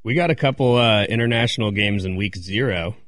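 A man adds to a sports show as co-host in a casual tone. His voice is on the low side and sounds dry, free of echo. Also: fairly quick, a bit bright.

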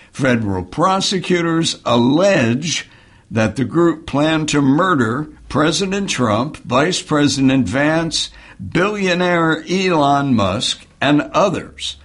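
A male newscaster reads headlines, traffic and markets slowly and steadily into a studio microphone. His voice sits a little high for a man. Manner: measured, steady news delivery. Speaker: radio newscaster. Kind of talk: news reading. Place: radio studio.

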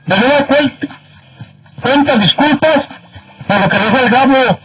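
A high, husky-voiced man calls in to a sports radio show. He is from Mexico, and he stumbles and restarts his words as he chats. The line sounds distant, with faint music behind it. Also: fairly bright tone, no room sound. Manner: halting, stammering with many restarts. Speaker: caller. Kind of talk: casual phone-in call to a sports radio show.

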